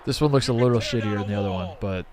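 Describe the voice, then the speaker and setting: A man co-hosting a sports podcast, excitable, interrupting and laughing in casual chat. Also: lowish voice, rapid-fire, a crowd in the background. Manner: excitable, jumps in, laughs often. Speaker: podcast co-host.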